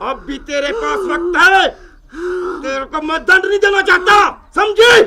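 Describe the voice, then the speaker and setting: An actor playing a pompous exorcist who thunders threats at an evil spirit in a blustering, theatrical way. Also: male voice, very high-pitched, a little slow, pushed and bright, raised voice, exaggerated voice.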